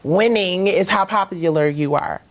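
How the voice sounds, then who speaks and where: Animated woman hosting a panel talk show. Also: fairly low pitch. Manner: animated, quick affirmations, steers the discussion. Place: TV studio.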